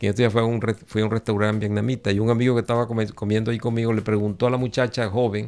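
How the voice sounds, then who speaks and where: Very fast and in a monotone, flat intonation, a man talks at a medium pitch. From Venezuela. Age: 60s. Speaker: professor and writer. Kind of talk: interview.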